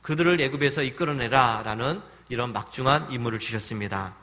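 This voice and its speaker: Preaching pastor, man, mid-pitched, emphatic storyteller, recorded dull in a large echoing sanctuary. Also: brisk. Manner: dramatic retelling, voicing quoted figures, emphatic repetition. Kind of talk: sermon. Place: church sanctuary. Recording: dull, echoey church hall recording.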